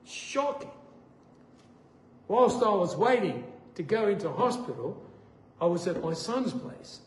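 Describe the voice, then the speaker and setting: A man giving a sermon testimony, an animated storyteller who acts out the voices in his stories. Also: sits high, normal speed. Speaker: preacher. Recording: echoey room with faint noise.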